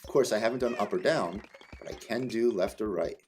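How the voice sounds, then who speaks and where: A man's voice: on the low side, fairly quick, a little mellow, husky, soft background music. A man reading lesson directions aloud as a teacher, with playful exclamations and casual asides. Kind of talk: animated read-aloud tutorial with casual asides.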